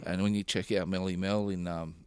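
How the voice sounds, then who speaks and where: A man's voice: low-pitched, little pitch movement, a little fast, a little mellow, clear, resonant tone. A young man telling a crude story in a laid-back, casual way as a guest on a radio chat show.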